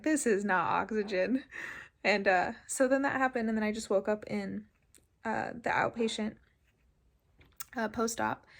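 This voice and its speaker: A woman talks casually about her own experience, as if in a personal vlog. Her voice has a gravelly fry and stays fairly flat in pitch. She moves along haltingly, padding her sentences with filler words. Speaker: patient vlogger recounting surgery.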